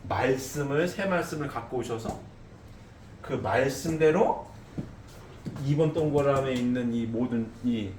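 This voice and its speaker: Unhurried and pausing often, a middle-aged preacher with a medium-pitched, darkish voice delivers an emphatic sermon, putting questions to the congregation and adding frequent "eh?" tags. Slight background noise and faint ambience fill the echoey hall.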